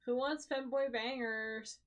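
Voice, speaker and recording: A woman's voice: on the high side, fairly even intonation, a little slow. Sleepy, yawning woman co-host. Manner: sleepy, swears casually. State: tired, yawning. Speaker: stream co-host. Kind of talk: casual chat.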